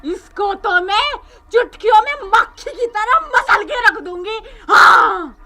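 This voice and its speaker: An actress playing a possessed girl whose spirit taunts and threatens a holy man, shouting and cackling. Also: very high-pitched, lively intonation, slow pace, exaggerated voice. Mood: taunting. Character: possessed girl, spirit Anarkali, defiant and fierce.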